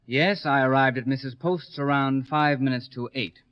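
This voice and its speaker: An actor playing a courteous, careful lawyer in an old radio detective serial, speaking in a measured, matter-of-fact way. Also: male voice, medium pitch, clean tone, dry recording, close to an everyday voice. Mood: earnest, measured. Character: courteous, measured professional male lawyer being questioned. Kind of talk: 1950s American radio detective serial acting. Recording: dry, dull old radio recording.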